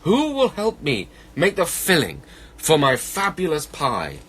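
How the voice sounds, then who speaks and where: A man voicing a sly, very bad bear baker from a children's storybook, calling out in a drawn-out sing-song. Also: fairly high pitch, wildly swooping pitch, heavy background noise, voice pushed up. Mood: pleading, calling out.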